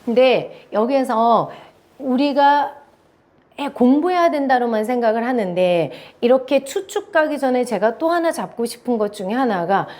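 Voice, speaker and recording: A middle-aged woman from South Korea teaching an English lesson, lively and emphatic, acting out short dialogues and saying example sentences slowly. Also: fairly high pitch. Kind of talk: classroom-style lecture.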